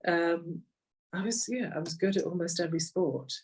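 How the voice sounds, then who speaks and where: A woman's voice: lowish voice, normal speed, a little mellow, breathy edge, distant mic. A middle-aged woman with an English accent tells personal stories conversationally, reflective and repeating phrases for emphasis. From Kenya, later rural England. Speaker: interview guest, executive coach.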